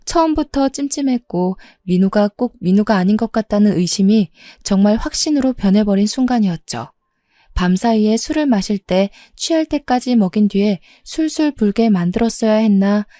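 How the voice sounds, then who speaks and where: A woman narrating a first-person story in a steady, confiding retelling. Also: medium pitch, no echo, studio quality.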